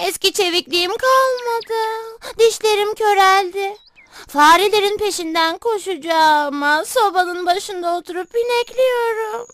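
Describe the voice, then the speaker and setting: An aged, worn-out cartoon cat in a fairy tale. The voice is tiny and very high, with slow, plaintive delivery. It sounds close and dry. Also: fairly bright tone, no echo. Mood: plaintive, self-pitying. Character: old worn-out cat, thrown out of her home.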